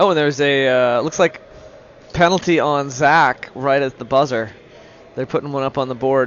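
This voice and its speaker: With noticeable background noise around him, a man of fairly high pitch speaks with fairly even intonation and long, frequent pauses. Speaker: amateur youth hockey commentator. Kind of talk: live commentary. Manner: fast.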